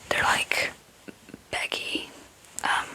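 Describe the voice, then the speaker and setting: A young woman from Belgium, a non-native English speaker, whispering a casual, hesitant and meandering ASMR chat in a breathy voice. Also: drawn-out words, low-quality recording. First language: not English. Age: young adult. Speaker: ASMR video creator.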